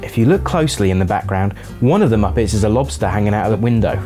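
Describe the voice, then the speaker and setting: A man with a fairly low voice narrates a video essay. He reads from a script in a measured, explanatory way, with faint music underneath. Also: animated, mellow.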